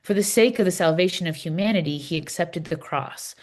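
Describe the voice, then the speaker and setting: A woman reading the part of an earnest, impassioned Palestinian Christian in a scripted readers theater dialogue, speaking deliberately and with emphasis. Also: lowish voice, natural voice. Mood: earnest, devout. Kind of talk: scripted dialogue read as measured conversation.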